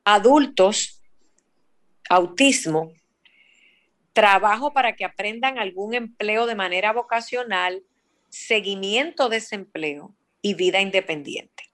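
A woman's voice: mid-range voice, slow pace. Dominican lady radio host, emphatic, repeats stuff for the listeners, mid voice. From Dominican Republic. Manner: warm, emphatic, repeats key words for listeners. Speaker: radio host and family therapist. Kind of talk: radio talk show interview.

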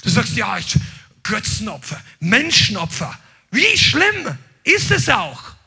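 A male preacher with a very high, bright, sharp voice and a gravelly, husky edge. He delivers an impassioned sermon, shifting from loud, forceful declarations to quick, quieter asides. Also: wildly swooping pitch. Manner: drops in English words.

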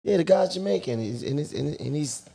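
A man's voice: fairly high pitch, expressive, brisk, vocal fry, warm tone. A man co-hosting a casual interview, asking playful, teasing questions. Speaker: co-host.

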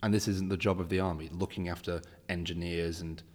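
A man's voice: sits low, flat delivery, a little fast, in a large hall. A man hosting a casual interview podcast, chatty and rambling, with lots of restarts in his questions. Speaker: podcast host.

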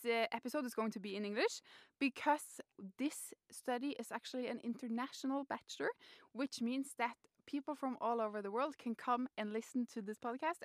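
Curious higher-voiced woman co-host. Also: no room sound, clean studio sound. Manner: curious, encouraging interjections. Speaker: podcast co-host. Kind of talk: casual podcast interview.

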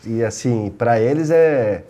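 A man with a São Paulo Brazilian Portuguese accent, calmly explaining in measured phrases as a guest in a casual chat. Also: medium pitch. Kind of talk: casual conversation.

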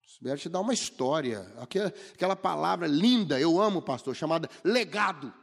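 A man's voice: a little high, animated, fairly quick, creaky. A middle-aged man with a Brazilian Portuguese accent preaching a sermon, telling humorous stories and acting out the people he quotes. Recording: long reverb of a large hall.

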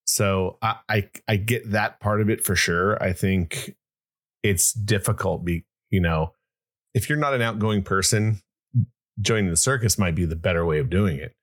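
A man's voice: fairly low pitch, normal speed. A man hosting a podcast in casual chat, rambling with many restarts and fillers. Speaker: podcast host.

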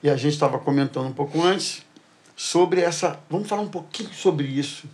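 A middle-aged man hosts a church talk program. His voice sits fairly high for a man, and he tells stories with lively energy, acting out each person's lines. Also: fairly quick. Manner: lively storyteller who acts out dialogue. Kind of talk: animated storytelling and Bible talk.

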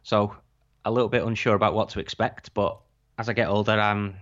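Low-pitched man, dull lo-fi sound. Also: flat delivery, fairly quick, fairly bright tone. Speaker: podcast co-host. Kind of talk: casual chat.

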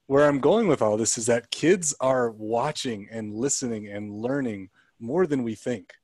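A man's voice: mid-range voice, unhurried, darkish tone, dry recording. Upbeat male coach, dry close mic. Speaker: high-performance coach. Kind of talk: casual podcast chat.

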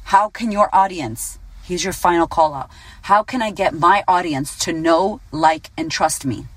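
A woman's voice: lowish voice, a little slow, dry recording. Blunt, swearing woman in her thirties. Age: 30s. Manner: blunt, swears freely, animated. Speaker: business coach and podcast host. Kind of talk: casual motivational monologue.

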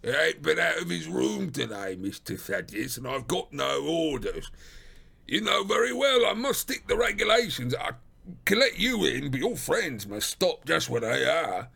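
A man voicing a gruff, stubborn, distrustful prizefighter porter who talks in loud working-class dialect, in a storybook reading. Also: on the high side, big pitch swings, moderate pace, voice pushed up, exaggerated voice. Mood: suspicious, stubborn.

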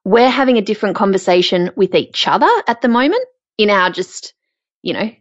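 A woman's voice: mid-range voice, a little fast, no room sound, lo-fi sound. A woman co-hosting a podcast, with a frog in her throat, reflecting aloud with fillers. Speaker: podcast co-host. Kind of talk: casual podcast chat.

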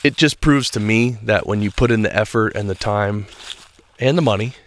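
A man's voice: lowish voice, moderate pace. Stuffed-up man musing while walking. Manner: earnest, reflective, loose talk with restarts. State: stuffed up, a little nasal. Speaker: podcast host. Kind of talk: solo spiritual podcast monologue. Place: walking outdoors in a state park.

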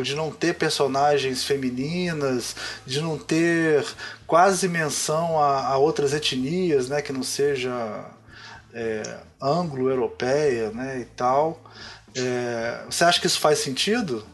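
A man's voice: mid-range voice, unhurried. A man hosting a podcast, chatting casually and hesitantly, restarting his sentences often. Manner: hesitant, full of fillers and restarts. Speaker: podcast host.

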